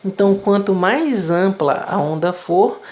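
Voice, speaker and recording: A man's voice: sits high, expressive, measured pace, darkish tone, lo-fi sound. A man teaching physics in a video lesson, explaining step by step in a conversational way with frequent tag questions.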